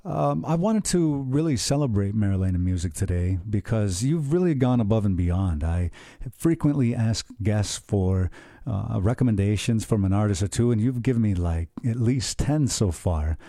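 A man's voice: fairly low pitch, animated, normal speed, dark tone, no room sound, clean studio sound. A middle-aged man hosting a radio show, earnest and enthusiastic, talking in long rambling turns. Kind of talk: conversational radio interview.

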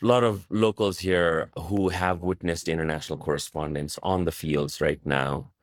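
A man's voice: sits low, fairly even intonation, moderate pace, dry recording, clean studio sound. A journalist guest in an interview, answering thoughtfully and filling his speech with "you know" and "right". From Nepal.

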